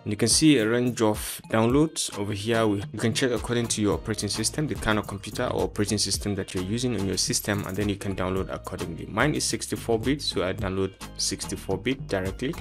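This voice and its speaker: A man with a fairly low voice walks through a screen-recorded software tutorial. His phrasing is formal and instructional. Music plays clearly behind him. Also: fast talker, hardly any pauses. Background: background music.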